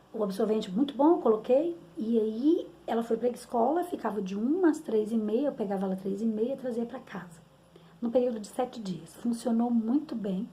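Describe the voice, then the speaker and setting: A woman's voice: fairly high pitch, dark tone. A middle-aged woman with a Brazilian Portuguese accent, telling a personal story as a mother in a candid, rambling, conversational way, often tagging her sentences with questions.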